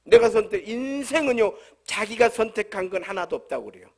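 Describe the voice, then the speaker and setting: A man's voice: high-pitched, brisk, darkish tone. A male pastor with a Jeolla accent, delivering a humorous, conversational sermon full of rhetorical questions at a church service. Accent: Jeolla Korean.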